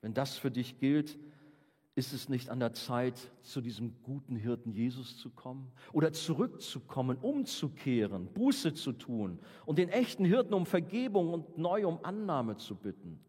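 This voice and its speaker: A man preaching a sermon, earnest, rising for emphasis and slowing down to read scripture aloud. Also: medium pitch, very animated, warm tone, husky. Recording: hall with long reverb.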